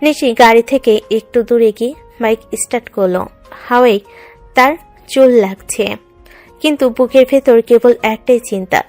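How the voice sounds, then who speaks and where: A woman's voice: on the high side, moderate pace, darkish tone. A woman reading dramatic scripted narration for a love story. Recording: music under the voice.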